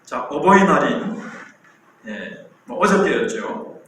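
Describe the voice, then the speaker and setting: Pastor in his 60s, raised-pitch male voice, chatty sermon delivery, heavy church-hall echo, faint hiss. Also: sing-song, slow, fairly bright tone. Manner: conversational storytelling preaching with rhetorical questions. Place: church sanctuary.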